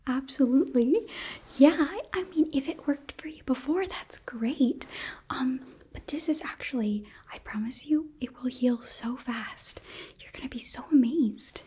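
A young woman playing an eager, apologetic demon princess who runs a hotel, gently whispering in an ASMR roleplay with a hesitant manner. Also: high voice, measured pace, slightly rough, heavily acted. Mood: gentle, reassuring. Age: young adult. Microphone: close microphone, seated before camera.

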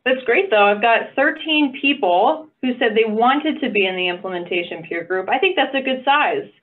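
A woman's voice: fairly high pitch, animated, normal speed. Woman on a tinny video call. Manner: upbeat, encouraging, playful asides. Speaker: meeting facilitator. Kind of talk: online meeting facilitation. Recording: phone-like video call audio.

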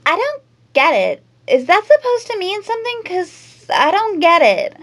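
An earnest little kid, with a very high voice that bounces widely in pitch. The manner is naive and childlike, as in a cartoon demo. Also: female voice, big pitch swings, a little slow, a bit bright, exaggerated voice. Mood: puzzled. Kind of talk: character demo reel.

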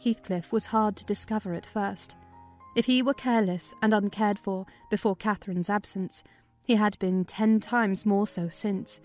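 Woman narrating, music softly behind. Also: medium pitch, fairly even intonation, normal speed. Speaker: audiobook narrator. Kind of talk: scripted dramatized narration of a classic novel.

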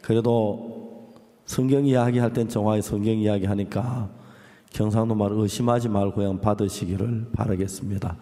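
An older pastor with a Gyeongsang accent preaches a sermon in a low, mellow voice. He slips into folksy, joking stories between scripture readings. His words ring out with the long reverb of a large church hall. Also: steady tone, normal speed. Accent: Gyeongsang Korean. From Gyeongsang region, South Korea.

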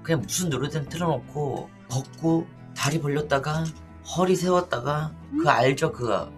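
A man's voice: fairly high pitch, moderate pace. A middle-aged man telling stories in a frank, casual, conversational way as a livestream co-host. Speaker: livestream co-host and drag show performer. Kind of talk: casual chat and storytelling. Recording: loud music behind the voice.

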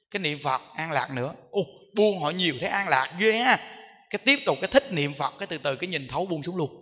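A man preaches as a monk, his voice high and bright as it rings through a long reverberant hall. He talks to his listeners in an easy way and keeps asking them rhetorical questions. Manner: conversational, rhetorical questions to the audience. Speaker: Buddhist monk giving a dharma talk. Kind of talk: sermon to lay followers. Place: temple hall.

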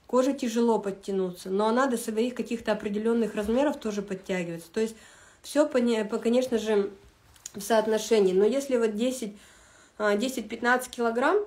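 A woman's voice: fairly high pitch, darkish tone. A woman hosting a casual livestream for her followers, talking in a chatty, rambling way with many fillers and restarts. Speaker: online wellness school host.

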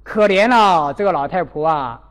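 A man with a notably high voice delivers a Buddhist sermon in an animated storytelling manner, acting out the people in his tales. His voice carries a long reverb, as if he is speaking in a large hall. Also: normal speed. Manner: animated, acts out quoted characters. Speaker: Buddhist dharma teacher.

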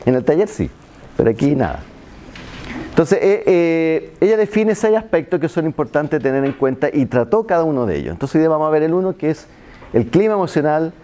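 Man lecturing a class, mellow. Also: mid-range voice. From Chile. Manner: conversational, asks "¿ya?" after nearly every point, self-deprecating asides. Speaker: university lecturer. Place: seminar room with projector and seated students. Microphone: handheld microphone, filmed by far camera.

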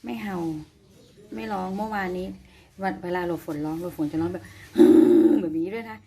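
A woman's voice: lowish voice, fairly quick, dark tone. A woman pet vlogger chatting casually and teasingly to her sleeping dog, often amused.

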